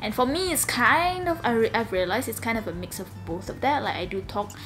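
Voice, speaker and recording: A young woman from Malaysia with a slightly raspy, low voice, chatting casually in a sit-down vlog at home, rambling with lots of fillers. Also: animated, fairly quick. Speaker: vlogger. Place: home room.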